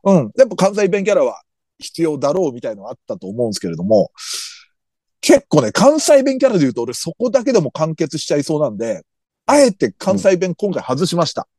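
Animated man chatting on a podcast. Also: a little high, fast talker, dry recording, studio quality. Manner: animated, chatty, hedging with fillers. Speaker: podcast co-host, comedian. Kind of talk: casual chat about anime characters.

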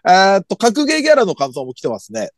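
A man's voice: high-pitched, fast talker, no room sound, studio quality. A man hosting a casual podcast, reading listener messages aloud and joking along with his co-host. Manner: lively, reads messages aloud with jokey asides. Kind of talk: casual chat.

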